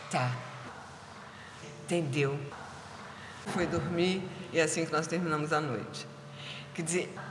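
A woman giving a spiritual talk, calmly and gently telling a personal story. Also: fairly low pitch, noisy background. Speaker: spiritual caretaker and speaker. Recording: echoey hall with faint ambience.

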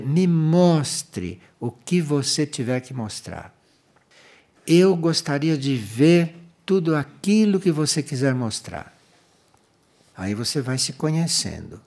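A man giving an earnest, measured spiritual talk, repeating his key phrases as he explains. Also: a little high, darkish tone, husky. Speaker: spiritual teacher.

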